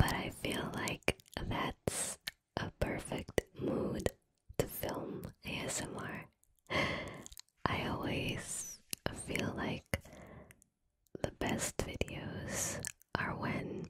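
A soft-spoken woman whispering at a very slow pace with long, frequent pauses, over noticeable background noise. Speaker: ASMR creator. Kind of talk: soft-spoken ASMR comfort talk. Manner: sleepy, soft ASMR whisper. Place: home room. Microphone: studio mic.

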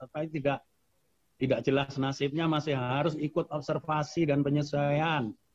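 Using monotone, flat intonation, a man with a fairly high pitch speaks at a moderate pace. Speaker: member of parliament. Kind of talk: parliamentary speech. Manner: forceful.

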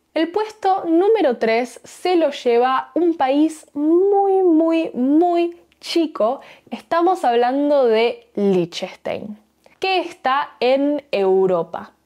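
A woman with an Argentine accent speaks at a very slow pace with a high pitch. Her pitch swings very widely against a quiet background. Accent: Rioplatense Argentine Spanish. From Argentina. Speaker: language teacher / travel vlogger. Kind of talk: educational monologue for learners. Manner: clear, moderately paced for learners. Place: studio. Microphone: lapel.

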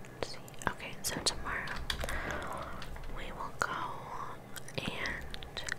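The speech is very slow, with long, frequent pauses. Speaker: ASMR gaming content creator. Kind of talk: ASMR gaming commentary, casual talk to camera. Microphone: studio mic.

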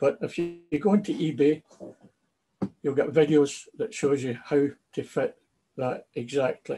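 With music in the background, a man with a Scottish accent and a fairly high pitch speaks at a fairly slow pace, using ordinary pitch variation and long, frequent pauses. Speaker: hobbyist club member. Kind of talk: presentation.

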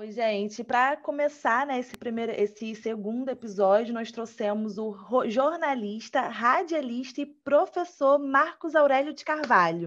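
A woman talks fairly slowly in a high pitch, her intonation lively and her loudness swinging widely, with hardly any pauses. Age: 20s. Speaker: journalism student podcast host. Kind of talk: podcast interview.

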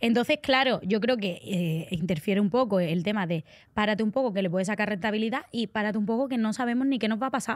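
A woman talks at a very fast pace with hardly any pauses and very even loudness. The sound is dry with no echo, over a quiet background. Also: fairly high pitch for a woman, ordinary pitch variation. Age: 30s. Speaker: social media gossip influencer. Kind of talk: casual chat. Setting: studio. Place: studio. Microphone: handheld.

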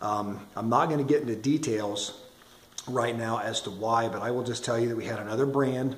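A man speaks with fairly even intonation, and audible room echo follows his voice. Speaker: gun reviewer. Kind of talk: product review talk. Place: kitchen. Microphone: webcam.

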